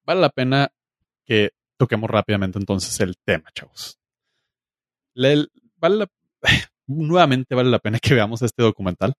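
A man's voice: medium pitch, animated, moderate pace, no room sound, studio quality. A man from Mexico with a Mexican Spanish accent, chatting casually as a podcast host in slangy, joking language. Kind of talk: casual chat.

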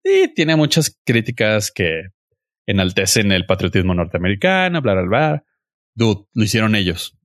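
A man's voice: lowish voice, sing-song, moderate pace, no echo, clean studio sound. A young man with a Mexican accent hosting a podcast, chatting casually and insisting on his opinions in slangy terms. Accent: Mexican Spanish. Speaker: podcast host. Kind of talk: casual chat reviewing a series.

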